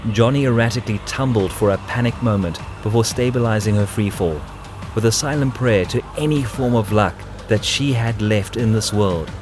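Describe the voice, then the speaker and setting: A man's voice: lowish voice, close to an everyday voice. A man narrating a tense cyberpunk action audio drama as a scripted storyteller.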